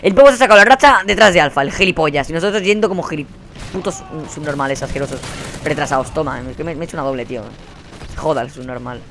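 A man's voice: on the high side, fast, background noise. A young man with a Spain Spanish accent giving heated gameplay commentary, swearing and ranting at other players. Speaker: gaming channel host. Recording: faint game gunfire behind.

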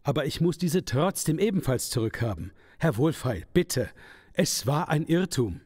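A man's voice: fairly high pitch, sing-song, normal speed, a little mellow, husky. Man playing a polite, officious male shopkeeper. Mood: apologetic. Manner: formal, apologetic. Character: polite, officious pet shop dealer, easily cowed. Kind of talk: audio drama acting.

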